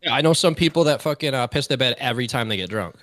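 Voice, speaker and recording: A man's voice: mid-range voice, animated, quick pace, a bit bright, dry recording, clean studio sound. A young man in casual chat, rambling with lots of fillers and frequent swearing.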